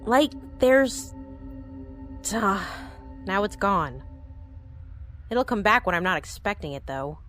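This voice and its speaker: Slow-spoken, uneasy amnesiac woman. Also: medium pitch, very animated, a bit bright, faint music behind. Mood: uneasy, frustrated. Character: troubled amnesiac woman who senses danger, uneasy, guarded. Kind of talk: audio drama acting with first-person narration.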